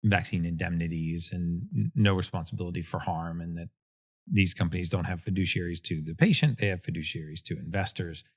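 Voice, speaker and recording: A man's voice: deep voice, steady tone, brisk. A man hosting a conversational interview, hesitant and full of fillers, often murmuring agreement. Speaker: interview host.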